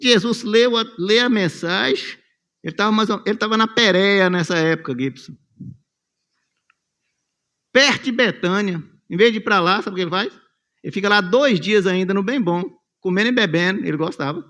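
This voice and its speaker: A man's voice: high-pitched, moderate pace, sharp tone. A man with a Brazilian Portuguese accent preaching a sermon in a church, telling the story vividly and calling on listeners by name. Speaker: pastor.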